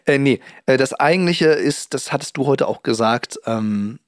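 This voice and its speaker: Young male co-host, chatty and rambling, mid pitch, dry booth sound. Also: moderate pace, no room sound. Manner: chatty, rambling with many fillers and restarts. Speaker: podcast co-host. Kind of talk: casual chat.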